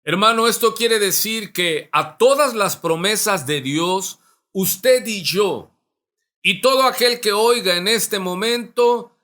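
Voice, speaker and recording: A male pastor from Mexico preaching a sermon in a church, asking the congregation questions and slowing down to stress key words. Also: high-pitched, sharp tone. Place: church sanctuary.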